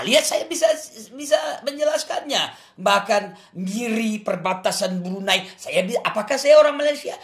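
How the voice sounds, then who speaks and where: A man's voice: high voice, a bit bright. Earnest, emphatic man with an Acehnese accent. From Aceh, Indonesia. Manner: earnest, emphatic, repeats his points. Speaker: guest testifying about his faith. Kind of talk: casual testimony interview. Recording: echoey room.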